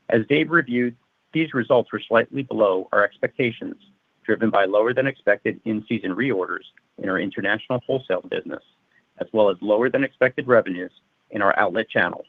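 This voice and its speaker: Lowish male executive on phone line. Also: breathy edge, dry recording. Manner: formal, methodical reading of figures. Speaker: finance executive. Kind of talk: prepared financial results presentation, read aloud. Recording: narrow-band phone conference line.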